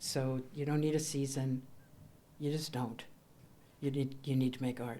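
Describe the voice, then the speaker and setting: With a very deep, low pitch and monotone, flat intonation, a woman speaks at a moderate pace with long, frequent pauses over noticeable background noise. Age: 70s. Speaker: theater maker. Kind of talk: interview. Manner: halting.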